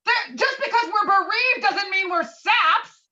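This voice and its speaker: A woman's voice: extremely high pitch, animated, a little slow, bright, forceful tone, lo-fi sound, heavily acted. A woman playing a hot-headed, pompous middle-aged male veteran and bowler in an online script read. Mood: indignant. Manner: blustering, pompous, foul-mouthed. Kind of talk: virtual table read of a film script. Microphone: video call.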